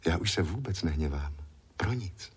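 A man reading the lines of a gentle, reserved young woman in a soft, calm voice. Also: sits low, husky, full character voice.

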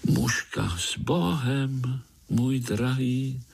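A man voicing a young female fly bride bidding a slow, melodramatic farewell. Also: mid-range voice, creaky, darkish tone, slightly rough, pitched above the performer's own voice. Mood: mournful.

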